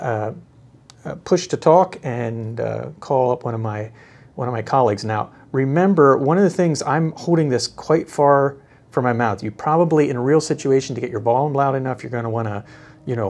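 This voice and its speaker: Creaky-voiced man, halting casual product demo. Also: medium pitch, darkish tone. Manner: hesitant, halting, thinking aloud. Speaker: product reviewer and demonstrator.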